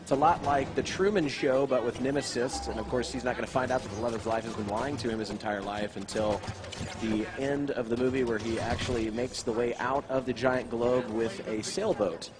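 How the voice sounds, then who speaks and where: A young man casting an esports tournament, bantering in a deadpan, self-mocking way. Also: medium pitch, a little fast. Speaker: esports caster. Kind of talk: joking esports commentary.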